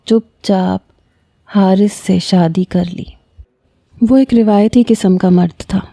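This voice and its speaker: A woman narrating a first-person romantic story in a steady, measured, reflective way. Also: mid-range voice, vocal fry, no echo, studio quality.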